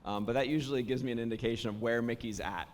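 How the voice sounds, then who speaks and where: A man who is a voice actor, hoarse after days of talking, telling stories in casual panel conversation with plenty of restarts and fillers. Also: mid-range voice, fairly even intonation, racing, big-room sound. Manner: warm storytelling, many restarts and fillers.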